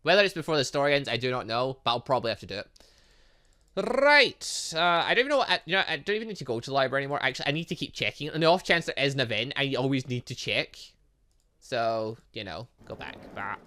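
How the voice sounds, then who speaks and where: A gaming host with a bright, forward voice and a very animated pitch. The delivery is casual and rambling, like someone thinking out loud while playing and commenting on a visual novel. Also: fast. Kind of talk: casual let's play commentary, reading game text aloud.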